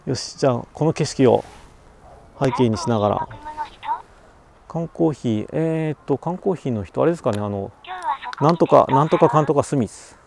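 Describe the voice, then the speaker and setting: A man's voice: medium pitch, expressive, moderate pace, gravelly, pauses often, background noise. A man live-streaming from a roadside on a bike trip, chatting casually and reacting to viewer comments. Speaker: cycling livestreamer. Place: roadside vending machine outdoors on a mountain road. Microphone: action camera and webcam.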